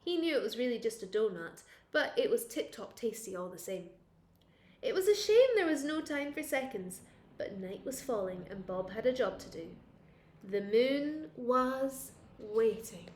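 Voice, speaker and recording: A woman, a primary school teacher, reading a picture book to young children expressively, with dramatic pauses and questions to her listeners. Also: fairly high pitch, sing-song, a little mellow, roomy sound.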